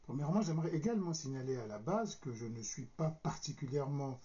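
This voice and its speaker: A man from the Republic of the Congo with a Congolese accent, giving a formal, deliberate political commentary with hesitant pauses as he searches for words. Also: medium pitch, lively intonation, mellow. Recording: dull, lo-fi sound.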